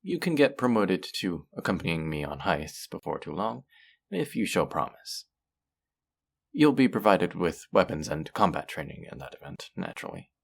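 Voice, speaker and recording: Audio roleplay villain , male actor: courteous, polished supervillain, creaky voice, highly animated intonation, measured and theatrical. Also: heavily acted. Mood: businesslike, inviting. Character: suave, pleasant male supervillain interviewing a minion recruit. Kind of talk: scripted roleplay audio drama, conversational monologue.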